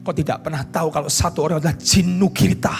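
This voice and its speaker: A man with an Indonesian accent preaching a sermon as pastor, telling a story that swings between hushed lines and shouted climaxes. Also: fairly high pitch, fast, soft background music. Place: church stage at a pastors' conference.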